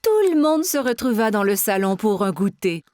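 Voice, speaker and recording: A woman narrating a scripted children's cartoon story in simple, clear phrases. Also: mid-range voice, sing-song, moderate pace, a little mellow, close to an everyday voice. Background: background music.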